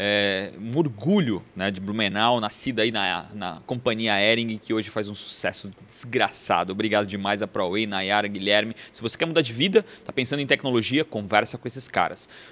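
A man talks at a moderate pace with hardly any pauses, his fairly low voice bright and sharp in tone, with ordinary pitch variation. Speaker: podcast creator, angel investor. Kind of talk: casual interview. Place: studio. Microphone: studio mic.

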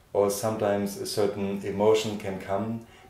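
Audible room echo surrounds a man with a fairly low pitch and a dark, mellow tone, speaking at a fairly slow pace in a monotone, flat manner. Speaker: interview guest, movement teacher. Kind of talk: interview answer. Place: home room.

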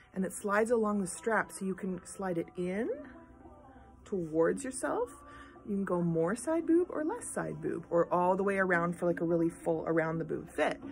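Faint music sits in the background. Over it, a woman talks at a moderate pace. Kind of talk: casual product showcase. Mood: enthusiastic, chatty. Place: shop. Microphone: phone near.

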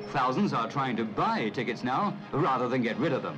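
A man speaks fairly quickly and with lively intonation as music plays behind him. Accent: British. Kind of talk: vintage newsreel narration. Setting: period film soundtrack, studio narration.

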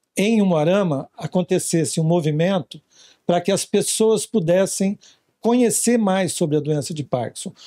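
Against a quiet background, a man with a high pitch and dark, mellow tone speaks at a fairly slow pace with lively intonation. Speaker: interview guest. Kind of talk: interview answer. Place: studio. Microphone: studio mic.

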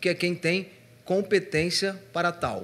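A man speaks in a bright, sharp tone. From Brazil. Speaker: football club executive. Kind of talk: answering fan questions. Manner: hesitant, many filler pauses; indignant emphasis. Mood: indignant, critical. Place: studio. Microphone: studio mic.

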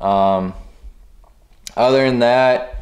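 The background is silent apart from the voice. The speaker is a man. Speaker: farmer vlogger. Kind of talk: casual vlog chat. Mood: relaxed, winding down. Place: home room. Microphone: phone near.

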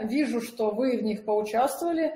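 Audible room echo surrounds a woman talking at a fairly slow pace with ordinary pitch variation. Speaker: webinar presenter. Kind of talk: webinar presentation. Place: studio.

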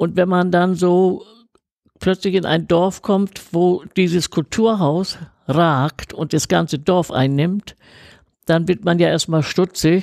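This woman has a fairly low pitch and very even loudness. She speaks at a very slow pace. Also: fairly even intonation, dry, close sound with no echo. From northern Germany. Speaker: retired teacher. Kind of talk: interview. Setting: in a room at the venue.

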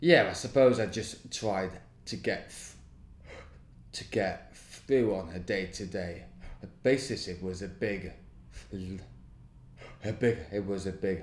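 A man's fairly low voice in a Yorkshire accent, very slow, with long, frequent pauses, big swings in loudness and ordinary pitch variation. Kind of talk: interview answer.

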